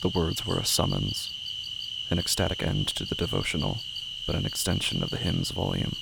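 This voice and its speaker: A man narrating a horror audio drama in a brooding, measured, dramatic literary style with a gravelly voice. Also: low-pitched, big pitch swings, heavily acted. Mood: somber. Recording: loud background noise with crickets.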